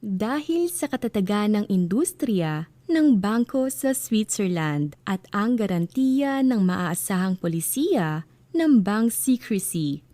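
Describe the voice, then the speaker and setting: A woman's voice: a little high, dark tone, dry recording. A woman with a Filipino accent reading scripted explainer narration as a voice-over, in a conversational way that poses questions to the listener.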